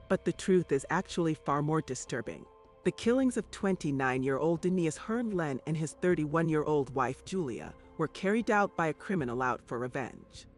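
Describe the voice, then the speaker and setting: Guy narrating a true crime doc, fairly high voice, dramatic and formal, music underneath. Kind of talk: scripted documentary narration.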